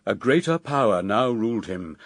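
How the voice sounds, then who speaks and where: A man narrating epic verse for a radio drama in a solemn, theatrical way with weighty pauses. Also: lowish voice, animated, no echo, clean studio sound.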